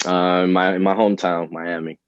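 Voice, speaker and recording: A man in his twenties from the Dominican Republic, a rapper answering interview questions in a relaxed, hesitant way with many fillers. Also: low-pitched, brisk, clear, resonant tone, no echo. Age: 20s. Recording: dull, lo-fi, dry sound.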